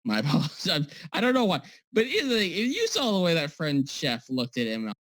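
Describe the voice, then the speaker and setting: A man's voice: fairly high pitch, wildly swooping pitch, fairly quick, a bit bright, no echo. Rambling joking man on a dry call. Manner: rambling, joking, often restarts and apologizes. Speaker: podcast co-host. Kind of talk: casual podcast chat.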